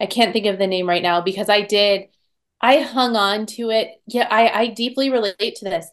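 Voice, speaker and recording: An animated, enthusiastic tone at a moderate pace. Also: woman, fairly high pitch for a woman. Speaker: podcast host.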